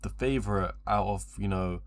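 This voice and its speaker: A man's voice: lowish voice, moderate pace, a little hiss or hum. A twenty-year-old man chatting casually on a livestream in a rambling, slangy, repetitive way, with frequent swearing. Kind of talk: casual livestream chat to viewers.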